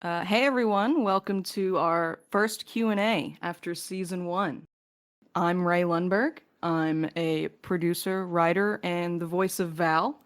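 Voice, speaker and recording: A woman with a slightly low voice hosts a relaxed panel Q&A. She talks in a casual, conversational way as the host of the group. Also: a little slow, clean tone. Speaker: podcast host, producer and voice actor.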